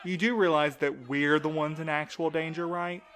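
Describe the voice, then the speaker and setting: A man's voice: on the high side, fairly even intonation, normal speed, a bit bright, lightly acted. A man playing a wary, protective courier in an audio drama, speaking casually with a sardonic edge. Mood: exasperated.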